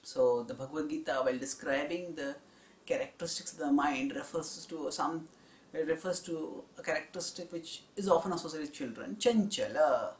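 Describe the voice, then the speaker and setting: A man giving a spiritual discourse on scripture, in a measured, explanatory teaching tone. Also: a little high. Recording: roomy echo.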